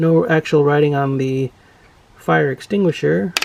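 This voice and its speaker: A man's voice over noticeable background noise. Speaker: toy collector and reviewer. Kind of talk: unboxing and review video. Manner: casual.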